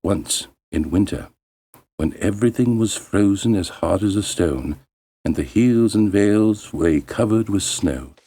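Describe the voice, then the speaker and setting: A man narrating a bedtime fairy tale as a storyteller, in a measured, expressive and deliberate way. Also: fairly low pitch, slightly rough.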